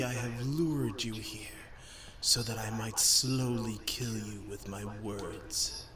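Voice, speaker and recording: Video game skull villain, whispery, sneering, pompous, theatrical, very echoey, crowd noise behind. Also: male voice, medium pitch, recorded from a distance. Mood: menacing gloating. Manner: theatrical, sneering, drawn-out monologue delivery. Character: evil talking skull, pompous, gloating villain.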